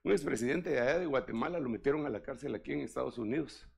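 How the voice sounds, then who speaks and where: An older man preaching a sermon in an animated style, with joking asides to the congregation. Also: mid-range voice, quick pace, vocal fry, slight background noise. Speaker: apostle preaching.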